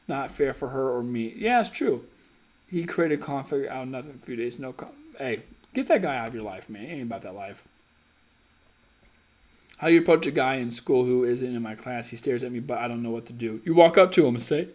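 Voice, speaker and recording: A man hosts a casual live stream, answering viewer comments as a dating coach. He teases, jokes and speaks in loose slang straight to his audience. His voice sits in an ordinary middle pitch, picked up by a computer mic. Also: darkish tone. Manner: playful, teasing, addresses viewers directly with slang.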